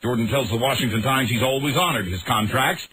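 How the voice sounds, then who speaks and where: A man's voice: mid-range voice, fairly quick, sharp tone. A man reading the news on a radio show with wry, punchy delivery and some casual banter. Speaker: radio newsreader. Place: radio studio. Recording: noisy taped radio broadcast.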